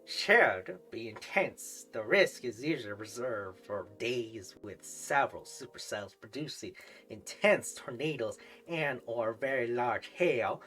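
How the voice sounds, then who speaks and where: A woman reading weather definitions aloud on a livestream, halting and correcting herself as she goes. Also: extremely low pitch, fairly bright tone. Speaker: streamer practicing reading.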